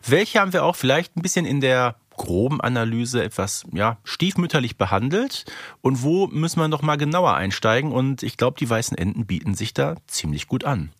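A man co-hosts a casual podcast. His pitch is average but moves around in a lively way. The sound is dry and close. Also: moderate pace, slightly rough, no echo. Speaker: podcast co-host.

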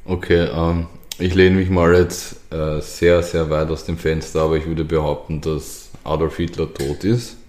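A man's voice: rumbling low, level tone, measured pace, hardly any pauses, darkish tone, roomy sound. A young man co-hosting a podcast in casual chat, dry and teasing, laughing easily. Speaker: podcast co-host.

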